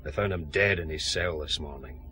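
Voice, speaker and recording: An actor playing a wry, brisk Glasgow detective inspector in a radio drama, with a Scottish accent. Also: male voice, very deep voice, pushed and bright, slight background noise.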